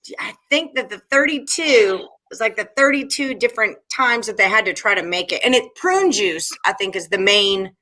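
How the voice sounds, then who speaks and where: Chatty, bright-voiced Texan woman host. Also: mid-range voice, expressive, normal speed, hardly any pauses. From Texas. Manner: chatty, joking, laughs easily. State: a bit tipsy after a couple of beers. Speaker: podcast host. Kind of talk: casual late-night betting chat.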